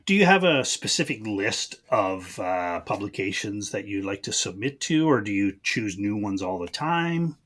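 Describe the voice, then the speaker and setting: A man's voice: lowish voice, big pitch swings, normal speed, few pauses, a bit bright. A man hosting a casual podcast interview in an informal way, often interjecting. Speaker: podcast host.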